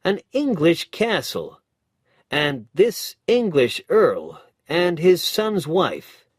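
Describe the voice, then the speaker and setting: Man playing a chatty young lawyer, raised pitch, lively, husky. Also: extremely slow, no echo, clean studio sound, full character voice. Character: brisk friendly young male lawyer.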